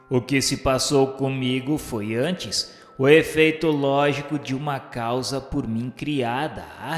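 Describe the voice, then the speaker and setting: A man's voice: mid-range voice, close to an everyday voice. A man with a Brazilian accent playing the remorseful spirit of a blind suicide from the nineteenth century, confessing in solemn, grandiloquent literary monologue for a radio drama. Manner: solemn, grandiloquent, slow declamation. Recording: echoey hall reverb, music underneath.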